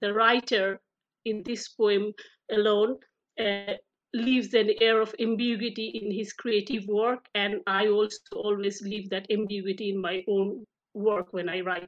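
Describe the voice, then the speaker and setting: A woman with a Bengali accent, flat and monotone, at a fairly slow pace over a quiet background. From Bangladesh. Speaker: poet. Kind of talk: reading group discussion. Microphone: video call.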